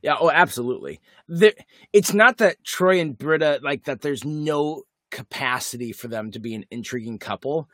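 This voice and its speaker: A slightly higher-voiced man talks through a TV episode on a podcast in loose, animated chat, jumping between scenes with quick asides. The recording is close and dry, with no room sound. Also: no echo. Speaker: podcast co-host. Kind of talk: casual episode recap chat.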